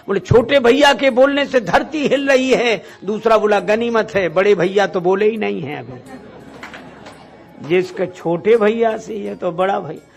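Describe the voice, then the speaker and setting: A man preaching a devotional Hindu discourse as a storyteller, posing rhetorical questions, acting out bits of dialogue and reciting verses. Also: sits high. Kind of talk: devotional discourse retelling Ramayana episodes.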